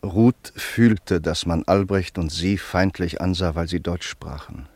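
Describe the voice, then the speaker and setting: Low-pitched male radio play narrator. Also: a little mellow. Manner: sober, measured.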